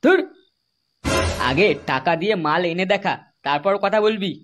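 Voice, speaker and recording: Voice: mid-range voice, lively intonation, moderate pace, dull audio, faint music behind, close to an everyday voice. A performer voicing a scornful village drinking buddy in a comedy cartoon, foul-mouthed and mocking, with a West Bengal accent. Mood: sneering. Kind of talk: amateur comedy cartoon dialogue.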